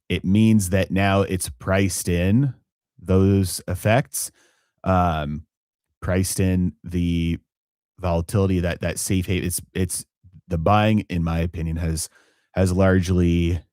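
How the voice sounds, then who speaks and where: Talking through the markets on his live finance stream, this host speaks in a deep, steady, slightly mellow voice. His delivery is halting and full of fillers and restarts, captured in clean studio sound with no echo.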